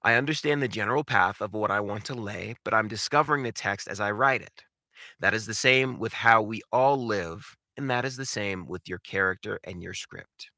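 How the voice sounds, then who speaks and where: Bright, forceful man coaching with emphasis. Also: fairly low pitch, no echo. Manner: emphatic, deliberate, with dramatic pauses and repeated phrases. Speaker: voice acting coach and presenter. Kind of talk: instructional monologue to viewers.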